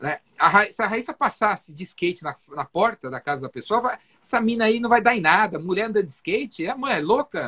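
A man with a high pitch at a moderate pace, in a dry, close recording without echo. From Brazil, São Paulo city. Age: 50s. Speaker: sales speaker and consultant. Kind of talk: casual interview chat. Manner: animated.

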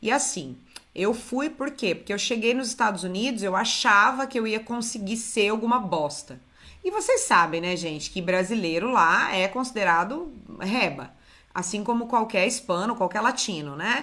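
Her tone is bright, sharp and animated, set at a fairly high pitch. The woman's intonation is lively and her pace moderate. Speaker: podcast co-host, voice-over course owner. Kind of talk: casual chat.

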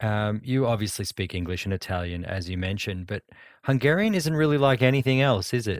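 A man speaks with an Australian accent at a fairly low pitch. His pace is fairly quick, and his pitch varies in an ordinary way. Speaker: podcast host. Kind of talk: casual interview. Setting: video call.

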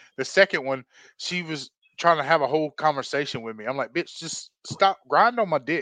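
Recorded dry and close with no echo, a man with fairly high pitch speaks at a moderate pace. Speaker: podcast host. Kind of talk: casual banter. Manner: animated, joking.

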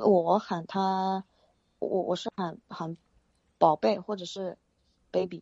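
At a medium pitch, a woman speaks at a very slow pace with long, frequent pauses. Her intonation is fairly even. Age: 30s. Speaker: caller seeking relationship advice. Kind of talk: phone-in advice call. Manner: halting.

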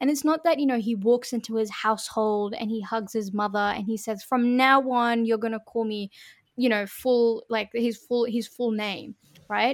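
A woman in an Australian accent, fairly high in pitch, at a moderate pace on a very clean recording with a silent background. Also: fairly even intonation. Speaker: podcast host. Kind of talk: casual chat.

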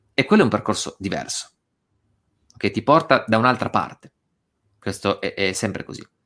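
A man with a medium pitch and a bright, sharp tone speaks at a moderate pace, using ordinary pitch variation. He leaves long, frequent pauses on a very clean recording with a silent background. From Turin, Italy. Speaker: photographer and video creator. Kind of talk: casual interview. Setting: live stream.

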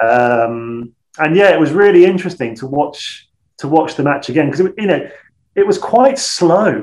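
With an English accent, a man talks at a fairly slow pace while his pitch swings very widely. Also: fairly high pitch for a man. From England. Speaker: sports commentator. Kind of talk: casual interview.

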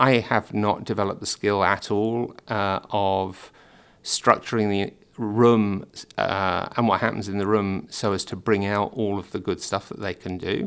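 On a very clean recording with a silent background, a man with an English accent talks fairly slowly at a fairly low pitch, his intonation monotone and flat. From England. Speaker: philosophy professor. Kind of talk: interview storytelling.

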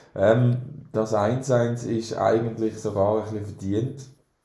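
A very slow, somewhat breathy male voice, dark and mellow in tone, monotone with flat intonation, in audible room echo. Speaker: podcast co-host. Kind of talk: casual chat.

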